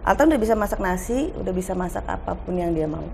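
Middle-aged woman, animated storyteller, slips into voices for family dialogue, faint background noise. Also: on the low side, fast, gravelly. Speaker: guest actress. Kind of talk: casual talk show chat.

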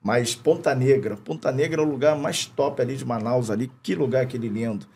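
Gravelly, husky Carioca man telling stories. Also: mid-range voice, brisk. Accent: Carioca Portuguese. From Rio de Janeiro, Brazil. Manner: animated anecdote-telling, heavy slang and swearing, laughing often. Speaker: podcast guest. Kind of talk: casual chat, storytelling. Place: podcast studio.

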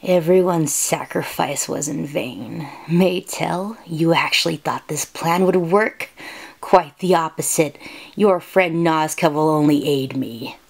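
A woman's voice: low-pitched, slow pace, gravelly, exaggerated voice. A woman voicing an imperious, coldly menacing mother queen with controlled, theatrical delivery, as an anime villain. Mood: scornful. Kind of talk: dramatic anime villain voice demo.

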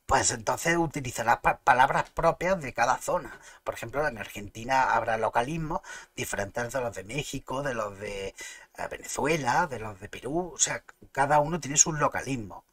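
A man's voice: medium pitch, lively intonation, normal speed, fairly bright tone, no room sound. A man with an Andalusian Spanish accent, streaming and chatting casually, arguing his points emphatically and restarting words mid-flow. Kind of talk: casual live-stream chat.

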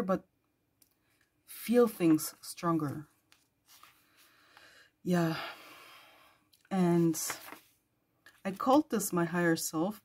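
A woman with a hoarse, worn voice who is losing it, chatting casually while flipping through her journal and clearing her throat often. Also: lowish voice, darkish tone. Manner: rambling, chatty with small laughs and throat clearing. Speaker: journal vlogger.

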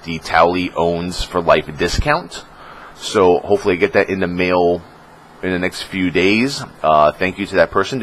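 A man's voice: a bit bright, a little hiss or hum, low-quality recording. A young man talking casually on his vlog as a streamer, rambling with lots of fillers and swearing. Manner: rambling, filler-heavy, swears and mocks trolls in squeaky voices.

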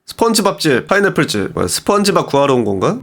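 A young man commentating a horror game, excitable and often shouting and laughing. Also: fairly high pitch, quick pace. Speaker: gaming streamer.

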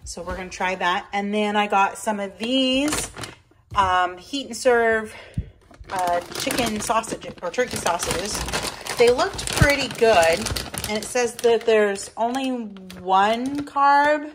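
A woman's voice: medium pitch, slow, noisy background. A woman in her forties talks through a casual grocery haul vlog in her home kitchen. She is chatty and friendly, and drops frequent ums while handling items in front of a camera set on the counter. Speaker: vlogger. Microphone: camera on counter, phone-style recording.

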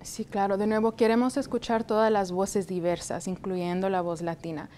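A young woman from the United States, a health department guest in a studio interview, speaking in a measured way with many hesitation fillers, on a lapel mic. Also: medium pitch, fairly even intonation, warm tone, slight background noise. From United States (Texas, raised in Florida). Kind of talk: interview answers. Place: TV studio set.

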